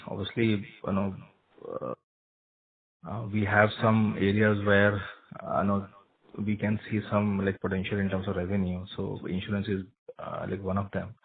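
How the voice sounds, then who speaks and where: A man with an Indian accent calling in as an analyst, asking questions deferentially and hesitantly on an earnings call. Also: on the low side. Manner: deferential, hesitant, frequent "you know". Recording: narrow telephone line.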